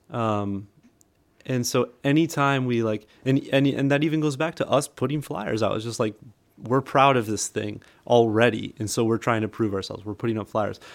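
A man speaks in a plain, everyday voice at a medium pitch with ordinary pitch variation. His pace is moderate, and the recording is very clean with a silent background. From Geneva, New York, US. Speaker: drummer and music producer. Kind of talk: interview.

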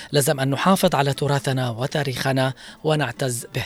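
The voice belongs to a man, pitched fairly high. It is somewhat breathy. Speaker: radio host. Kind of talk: radio call-in talk show. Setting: radio studio.

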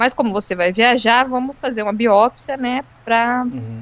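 A woman with a plain, everyday voice speaks at a moderate pace in a fairly high pitch. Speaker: cycle traveller. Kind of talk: casual interview chat.

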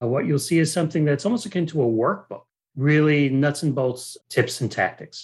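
Somewhat breathy male voice at a fairly high pitch, moderate pace and ordinary pitch variation, on a very clean recording with a silent background. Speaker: author and communications trainer. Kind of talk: interview conversation.

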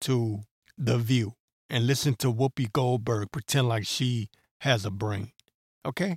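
Speaking very slowly in a Maryland accent, a man has a medium pitch and a somewhat breathy voice. The recording is very clean with a silent background, and the sound is dry and close with no echo. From Maryland / DC area. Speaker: podcast host. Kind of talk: opinion commentary monologue. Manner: casual, hesitant with fillers.

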